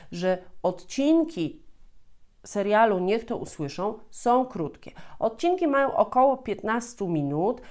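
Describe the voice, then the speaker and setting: A woman's voice: mid-range voice, a little mellow. A woman in her thirties giving an explanatory talk as a teacher, often repeating and rephrasing as she goes. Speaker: host, Polish language teacher. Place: small furnished room at home, indoors.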